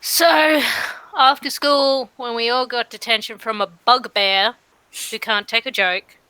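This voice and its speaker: A woman voicing an aggrieved teenage adventuring-school student in a tabletop game, complaining earnestly and haltingly. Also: on the high side, fairly even intonation, bright, forceful tone, clear, resonant tone, no room sound, rough recording. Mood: indignant.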